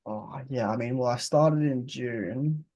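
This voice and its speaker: A man's voice: medium pitch, a little slow, dark tone, no echo, highs cut off. A man of twenty in a casual interview, talking bluntly and laid-back, dropping the odd swear word. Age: 20s. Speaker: interviewed client.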